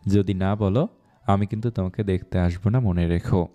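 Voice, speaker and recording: A man's voice: deep voice, normal speed, mellow, close to an everyday voice. Man voicing an impatient scolding young man. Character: hot-tempered young man, bossy fiancé.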